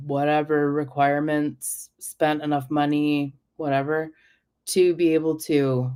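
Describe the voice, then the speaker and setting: A woman with a low voice hosts a casual livestream and chats loosely. She rambles, trails off and hops between topics, in an easygoing, talkative way. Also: a little mellow. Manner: rambling, chatty, drifts off topic. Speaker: livestream host.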